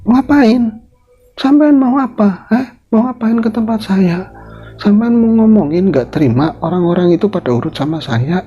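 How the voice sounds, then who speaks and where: A man's voice: sits high, lively intonation, normal speed, husky, faint music behind, voice pushed up. A man putting on an arrogant, snapping village healer woman. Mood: hostile. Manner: sharp, dismissive, snapping. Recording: dull lo-fi recording.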